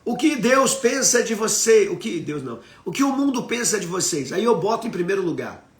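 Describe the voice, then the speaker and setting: Emphatic Brazilian preacher in a roomy space. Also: male voice, high-pitched, big pitch swings, a little fast. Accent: Brazilian Portuguese. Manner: emphatic, asks the audience questions, reads out viewer comments. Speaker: preacher on a live stream. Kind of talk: live-streamed Bible teaching.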